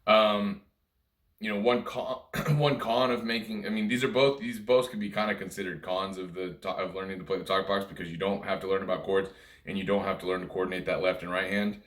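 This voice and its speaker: A man with a very deep speaking voice gives an informal lesson. He explains things step by step in plain, conversational language. The sound is noticeably roomy, with echo around his words. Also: steady tone, brisk, a bit bright. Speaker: music teacher and video host. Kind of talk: informal instructional talk. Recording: roomy, echoey room sound.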